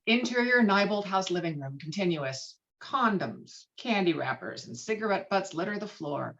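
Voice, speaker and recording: A woman's voice: medium pitch, expressive, normal speed, gravelly, a bit bright. A woman reading screenplay stage directions dramatically as narrator of a table read, over a video call. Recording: dull lo-fi video call sound.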